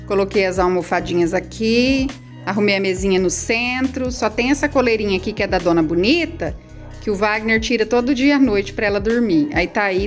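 A woman in her thirties from Brazil, filming a casual home vlog on a handheld phone and chatting warmly with her viewers, full of diminutives. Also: mid-range voice. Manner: chatty and affectionate, many diminutives, baby talk to her pets. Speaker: vlogger. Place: small house, indoors and on the porch.

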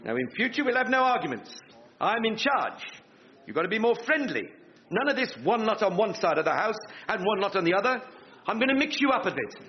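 An actor playing a pompous, bossy would-be Prime Minister with an English accent, blustering colloquially in a radio sitcom. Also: male voice, high-pitched, sing-song, brisk, a little hiss or hum. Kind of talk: radio sitcom acting before an audience. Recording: muffled, with studio audience laughter.

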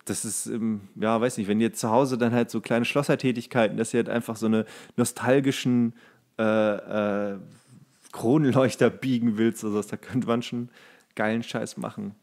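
A man's voice: fairly low pitch, fairly even intonation, normal speed, a little mellow. A man co-hosting a podcast, rambling enthusiastically in casual, slangy, comedic chat. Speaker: podcast co-host.

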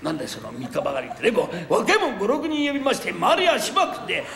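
A man's voice: sits high, huge pitch swings, fast talker, creaky, a bit bright, exaggerated voice. Man doing a brash, boastful fire-brigade chief. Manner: brash, swaggering. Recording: echoey TV hall with noise.

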